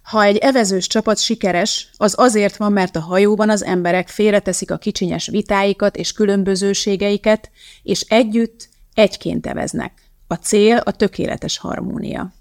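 Sex: woman. Role: audiobook narrator. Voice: gravelly, mid-pitched. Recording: dry and close. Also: steady tone, darkish tone, no echo. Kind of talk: scripted narration.

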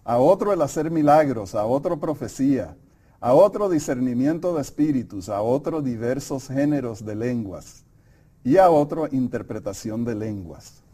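A middle-aged man co-leading a Bible study, calm and affirming as he reads scripture and comments. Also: mid-range voice, moderate pace. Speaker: Bible lesson co-presenter. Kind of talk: conversational Bible study lesson.

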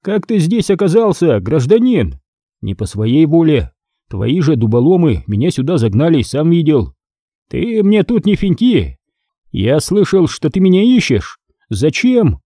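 A man's voice: fairly high pitch, big pitch swings, a little slow, warm tone, no echo, clean studio sound, pitched above the performer's own voice. A man voicing a sneering, menacing crime boss who taunts his captive. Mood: interrogating. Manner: taunting, barked threats and sly mockery.

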